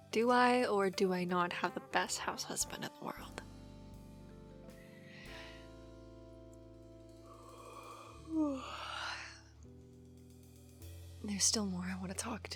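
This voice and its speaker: A woman playing an affectionate, teasing working wife in an ASMR audio roleplay, chatty and expressive. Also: medium pitch, close to an everyday voice. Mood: tender, tired.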